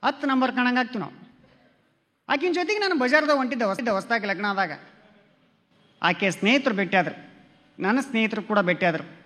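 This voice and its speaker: A man's voice: very high voice, expressive, brisk, long pauses, bright, forceful tone, long reverb tail. A man doing standup comedy on stage before an audience, telling stories and acting out quoted lines with his wife.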